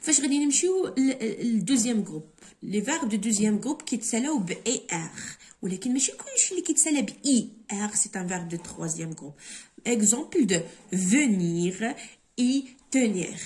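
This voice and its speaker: A woman with a Moroccan accent, a teacher reviewing a French exam, reading examples slowly and explaining quickly in between. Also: medium pitch, lively intonation, a little mellow. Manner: switches between slow dictation-like French and quick Darija explanations.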